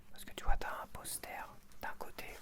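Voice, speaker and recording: A man speaking in a breathy, intimate whisper, casually commenting unscripted for ASMR as if to one listener. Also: normal speed. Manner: hushed, intimate, addressing one listener informally. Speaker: ASMR video creator.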